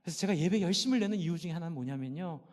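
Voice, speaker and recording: A man's voice: on the high side, expressive, very fast, darkish tone. A middle-aged male pastor preaching a passionate sermon in a church sanctuary, posing questions to the congregation and answering them himself. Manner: impassioned, asks and answers own questions. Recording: long hall reverb.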